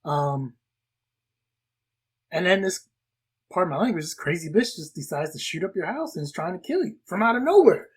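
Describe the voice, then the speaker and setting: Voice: mid-range voice, very animated, normal speed, pauses often, breathy edge. A podcast co-host recapping a movie in a rambling, chatty way with lots of fillers. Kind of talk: casual film discussion.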